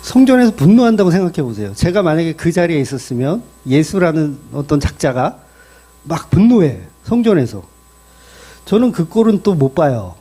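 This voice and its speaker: A middle-aged male pastor preaching a sermon in a lively, joking way, with many questions to the congregation. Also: a little high, moderate pace, breathy edge.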